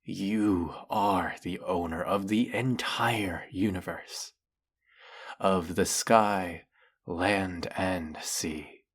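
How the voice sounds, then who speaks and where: A man's voice: low voice, drawn-out words, breathy edge, exaggerated voice. A man playing a fanatically devoted, lovestruck male demon servant in a fantasy audio roleplay, speaking in a formal, theatrical, over-the-top reverent way. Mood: rapturous worship. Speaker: voice actor.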